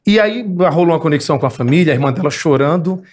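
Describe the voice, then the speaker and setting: A man, a podcast guest telling stories with jokes in casual chat. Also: a little high. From Ceará, Brazil. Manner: fast, animated storytelling with jokes.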